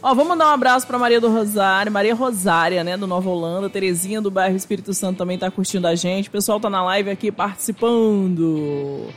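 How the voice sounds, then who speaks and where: A woman co-hosting a live radio show, chatting casually and sending shout-outs to listeners. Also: medium pitch, fast, hardly any pauses, faint music behind. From Minas Gerais, Brazil.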